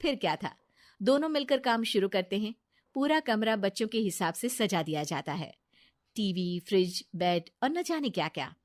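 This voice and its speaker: A woman's voice: medium pitch, normal speed. Woman narrating a cartoon story. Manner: plain, steady storytelling.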